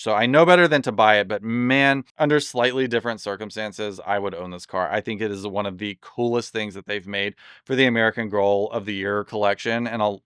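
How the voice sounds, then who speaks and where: A man chatting casually and enthusiastically in a product review, rambling with lots of fillers, his voice slightly hoarse from overuse. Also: on the low side, a bit bright, no room sound, clean studio sound. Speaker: doll collector reviewing products.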